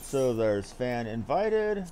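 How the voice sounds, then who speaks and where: Animated man streaming a game. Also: mid-range voice, takes it slowly, slight background noise. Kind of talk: casual gameplay commentary.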